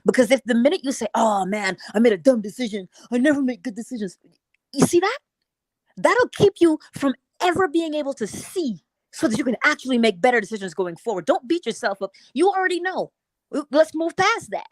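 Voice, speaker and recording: Woman from Barbados, co-host, preachy advice giver, pitched a little high, close dry mic. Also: expressive, fairly quick, dry recording, low-quality recording. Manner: earnest, preachy about self-discipline. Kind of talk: casual chat, advice.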